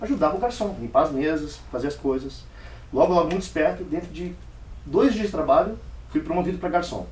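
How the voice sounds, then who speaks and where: A man's voice: a little high, brisk. A man giving a storytelling speech at a club meeting, acting out the dialogue in different voices. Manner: animated, acts out dialogue in varied voices. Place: meeting room. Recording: echoey room from far off.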